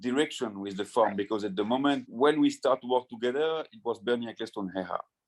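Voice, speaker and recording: Ordinary pitch variation marks a man's speech. The sound is dry and close, with no echo. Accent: French. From French-speaking Switzerland. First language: French. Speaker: sports photographer. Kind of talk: interview. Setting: podcast. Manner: halting, many repetitions.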